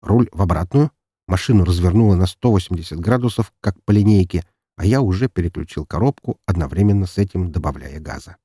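Husky male audiobook narrator. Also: low-pitched, quick pace, no echo, clean studio sound. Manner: expressive storytelling reading. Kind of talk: scripted narration.

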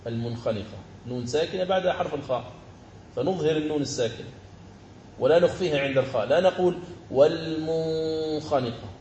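A man teaching the rules of Quran recitation, explaining each rule and then slowly chanting verse examples. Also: on the high side, a little mellow, roomy sound, highs cut off, slight background noise. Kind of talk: tajweed lesson with chanted examples.

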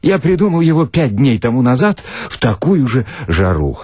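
A man reading a first-person literary story in a theatrical, dramatic and deliberate manner. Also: medium pitch, sing-song, mellow, slightly rough, no room sound, clean studio sound. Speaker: narrator, reader.

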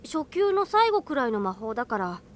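A woman voicing a gentle, studious young boy mage in a Japanese anime audio drama, earnest and a little teacherly. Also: on the high side, big pitch swings, moderate pace. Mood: calm, explaining. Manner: soft-spoken, earnest, teacherly.

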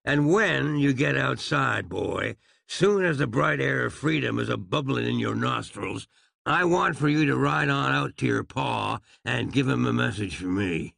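A man's voice: mid-range voice, animated, unhurried, vocal fry, fairly bright tone, no room sound, exaggerated voice. A man voicing a grandiose, vengeful Old West marshal who talks in pompous, folksy frontier phrases. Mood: menacing.

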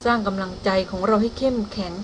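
A woman's voice: fairly high pitch, quick pace, slight background noise, close to an everyday voice, rough recording. A woman reading the part of a protective older brother who speaks firmly and plainly.

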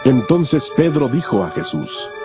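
A man narrating scripture from a script in a solemn, measured manner. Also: medium pitch, very animated, over music.

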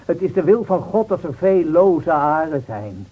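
A man's voice: on the high side, big pitch swings, measured pace, husky, heavily acted. An actor playing a scornful, officious city-bred policeman in a Dutch radio drama, lecturing and brusque. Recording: muffled old radio recording.

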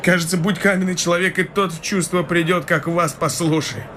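An actor playing a young clerk, newly prosperous, who talks in a wheedling, ingratiating way. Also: male voice, high-pitched, steady tone, a little fast, sharp tone. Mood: fawning. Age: young adult. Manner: ingratiating, wheedling, pushy kindness. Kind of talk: radio drama acting. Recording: hissy radio play recording.

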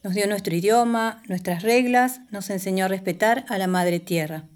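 A woman playing a solemn, devout indigenous villager of long ago in children's radio theatre, speaking in a measured way. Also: mid-range voice, a little mellow, close to an everyday voice. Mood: solemn, reverent.

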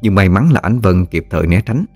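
A man narrating a scripted ghost story in a steady storytelling manner. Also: sits low, brisk, faint music behind.

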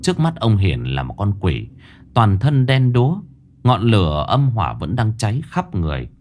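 A man's voice: on the low side, a little mellow. A man narrating a ghost story in a dramatic storytelling manner.

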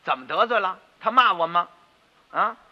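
男说书人扮的气急败坏的豪门管家. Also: male voice, high voice, animated, moderate pace. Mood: indignant. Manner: loud, blustering, indignant. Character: group of pompous, indignant rich-house stewards. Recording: dull radio recording with long reverb.

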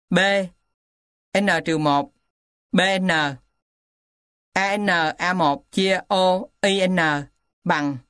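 Low-pitched woman dictating in a dry recording. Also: fairly bright tone, dry recording. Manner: dictating, spelling out symbols and punctuation. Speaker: narrator reading a mathematics textbook aloud. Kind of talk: scripted read-aloud of a textbook.

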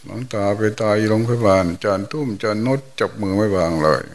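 An older man with a lilt, a monk giving a folksy, unhurried Dhamma talk. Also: lowish voice. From Thailand. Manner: folksy, unhurried storytelling with exclamations. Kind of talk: sermon.

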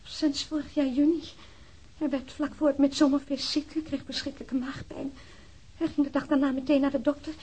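An actress playing a bewildered, indignant new widow in a radio drama, halting yet insistent. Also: female voice, high-pitched, level tone, mellow, natural voice. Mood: weary recounting. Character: bewildered, indignant newly widowed wife of a policeman. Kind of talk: naturalistic radio drama acting.

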